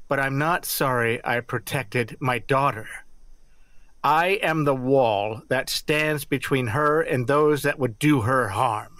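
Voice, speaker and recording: Man acting a sincere halting dad cop, audio drama, mid voice, close dry sound. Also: mid-range voice, fairly bright tone, dry recording, lightly acted. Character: earnest, hapless, devoted father and small-town policeman.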